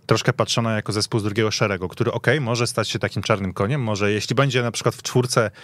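A man's voice: on the low side, steady tone, fast, fairly bright tone, no room sound. A man giving casual, analytical football commentary as a guest in a radio studio.

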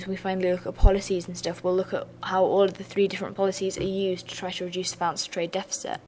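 A young woman, hoarse and losing her voice, giving a chatty revision lesson with casual asides. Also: medium pitch, slight background noise. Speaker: student revision tutor.

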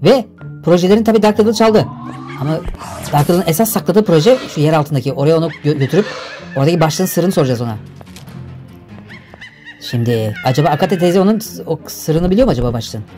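Young man, gaming commentary, fast talker, exclamatory, slangy. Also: on the high side, animated, warm tone, faint music behind. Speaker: gaming YouTuber. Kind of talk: excited game commentary.

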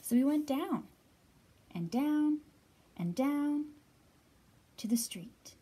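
A woman's voice: high-pitched, animated, takes it slowly, mellow. A woman in her thirties hosting a storytime for young children, speaking expressively as she talks and reads aloud. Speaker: children's library storytime host. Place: library room with bookshelves, indoors.

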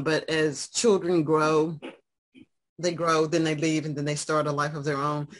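A woman's voice: low-pitched, low-quality recording. Woman teaching an English class online. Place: home video call.

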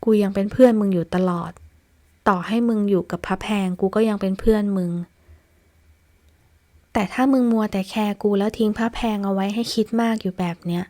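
A woman's voice: mid-range voice, fairly even intonation, a little mellow, dry recording, lightly acted. A woman voicing an earnest young man who speaks frankly and protectively to his friend. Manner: frank, caring, measured.

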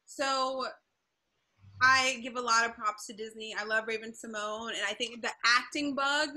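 Bright-voiced young woman from Jamaica. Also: fairly high pitch, moderate pace, low-quality recording. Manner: relaxed, chatty, animated storytelling. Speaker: guest. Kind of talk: casual video call chat. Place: bedroom at home. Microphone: laptop webcam on video call.

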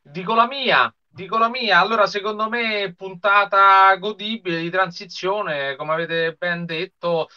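A man's voice: high voice, fairly even intonation, a little slow, few pauses, bright, forceful tone, clean tone. A man in his thirties casually hosting a live online discussion. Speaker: host. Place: room at home. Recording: dull lo-fi stream audio.

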